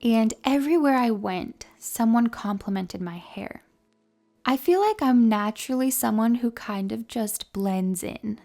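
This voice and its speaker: A young woman with a New York accent tells her story to camera in a calm, mellow way. Her voice sits a little high and has a gravelly fry running through it. Soft music plays faintly behind her. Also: a little slow. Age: 20s. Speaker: beauty vlogger.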